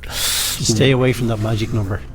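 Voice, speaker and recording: A man's voice: mid-range voice, fairly even intonation, normal speed, faint music behind. A man bantering casually as a bingo co-host.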